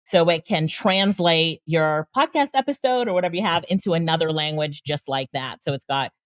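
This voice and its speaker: A woman's voice: low voice, normal speed, no echo, clean studio sound. A woman guest on an interview show, explaining tools with enthusiasm and frequent laughs. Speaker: guest, AI trainer and consultant. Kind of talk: casual interview talk.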